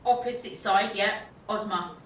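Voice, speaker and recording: A gladiator-fight announcer, played by a woman, declaring each line formally. The voice booms with heavy echo in an arena, buried in very loud noise and a roaring crowd. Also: measured pace, recorded from a distance, natural voice. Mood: commanding.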